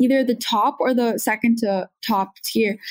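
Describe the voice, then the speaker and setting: A woman's fairly high, normal speaking voice in an American accent, at a moderate pace with ordinary pitch variation, dry and close with no echo. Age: 20s. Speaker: chronic illness patient and wellness blogger. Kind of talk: interview, personal story.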